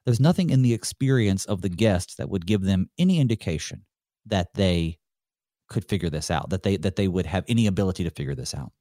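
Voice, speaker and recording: Guy pastor doing a bible study solo, kinda low voice, chatty, thinks out loud. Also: animated, brisk, no echo, studio quality. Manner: conversational, thinks aloud with light chuckles. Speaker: pastor and host.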